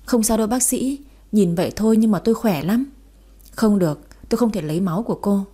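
A woman voicing a desperate young mother, husky. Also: mid-range voice, a little fast, warm tone, lightly acted. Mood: pleading. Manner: pleading and tearful. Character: desperate, devoted young mother of a sick boy.

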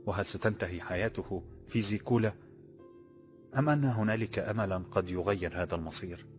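A man voicing a young male prisoner who asks himself questions in a quiet, doubtful way. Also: fairly low pitch, a little fast, soft background music, close to an everyday voice. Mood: despairing.

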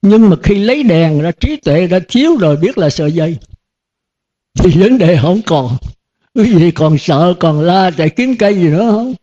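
Older male monk preaching; high voice, mellow tone, folksy and questioning, dull lo-fi sound. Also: animated, normal speed. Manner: folksy, rhetorical questions, chuckles often. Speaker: Buddhist monk teacher. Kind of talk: dharma talk to disciples. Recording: dull lo-fi recording.

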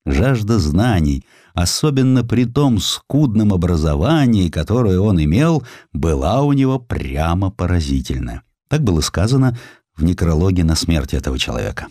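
Low voiced guy reading a history tale, super animated, dramatic, a bit wry, dry studio. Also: normal speed, no room sound. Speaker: audiobook narrator. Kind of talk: expressive scripted storytelling of historical sketches. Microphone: close studio microphone.

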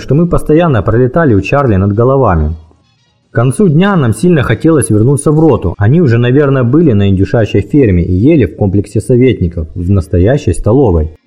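A man reading a first-person war memoir as an audiobook, in a lively storytelling manner, raising his pitch for the dialogue. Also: slightly rough. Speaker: audiobook narrator.

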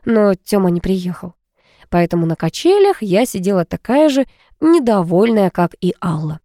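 A woman narrating a first-person story aloud, lively and teasing, with expressive dialogue. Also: mid-range voice, normal speed, dry recording, studio quality. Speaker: audiobook narrator.

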